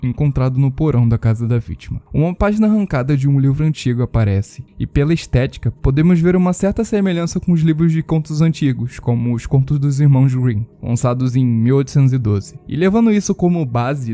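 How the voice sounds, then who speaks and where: A man's voice: mid-range voice, expressive, brisk, hardly any pauses, mellow, faint music behind. A Brazilian man narrating scripted commentary on horror videos.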